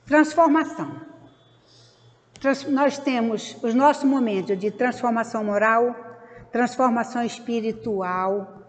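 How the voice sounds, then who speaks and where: A woman's voice: a little high, unhurried. Older woman testifying in a hall. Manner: animated storyteller who acts out remembered dialogue. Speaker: member giving a testimony at a spiritist public meeting. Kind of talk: personal testimony. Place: meeting hall of a spiritist center. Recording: long hall reverb.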